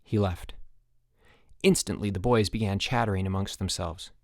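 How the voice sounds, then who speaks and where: A man's voice: low voice, moderate pace, darkish tone, dry recording, studio quality. A man reading an audiobook, narrating a story expressively.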